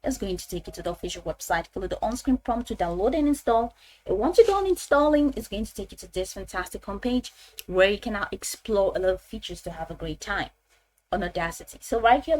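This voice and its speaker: A woman narrating a step-by-step software tutorial in an informal, instructional way, often repeating her phrases. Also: medium pitch, poor audio.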